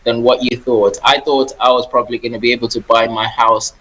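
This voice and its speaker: A man's voice: mid-range voice, flat delivery, brisk, a bit bright, low-quality recording. A man from Zimbabwe, a guest on a radio interview, talking about his work in a friendly, easygoing way. He laughs now and then and repeats words as he goes. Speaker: guest, property investor.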